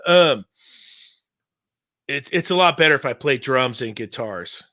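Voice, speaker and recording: Excitable guy in his 50s, bright tone, talks in bursts and laughs a lot. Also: mid-range voice, measured pace. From California. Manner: excitable, rambling, laughs often. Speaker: podcast host. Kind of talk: casual chat.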